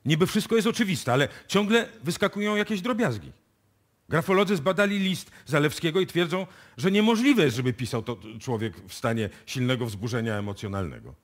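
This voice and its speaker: An actor playing a persistent police inspector in a radio drama, businesslike and questioning. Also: male voice, fairly high pitch, expressive, fairly quick. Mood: doubting. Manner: businesslike, probing, colloquial. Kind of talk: live radio drama acting.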